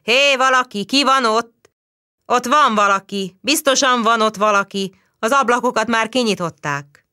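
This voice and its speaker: Woman voicing neighbors shouting at a door. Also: a little high, clean tone, pitched above the performer's own voice. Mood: alarmed. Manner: calling out loudly.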